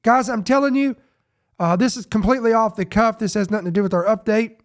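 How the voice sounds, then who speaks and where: A man with a notably high voice hosts a casual news podcast while fighting off a head cold that leaves him sniffly. He rambles off the cuff, stopping and restarting his sentences as he goes. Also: fast talker. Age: adult parent. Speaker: podcast host.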